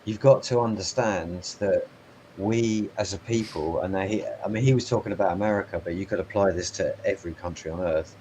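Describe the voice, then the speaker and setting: A man hosting a casual chat, agreeing often and swearing easily. His voice is fairly low. A faint hiss of noise sits under the recording. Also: fairly quick, dark tone, rough recording.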